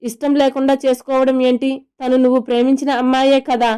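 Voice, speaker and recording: A woman's voice: high-pitched, level tone, a little fast, warm tone, smooth, close to an everyday voice. A woman voicing a young man's scolding, questioning best friend in a romantic audio story.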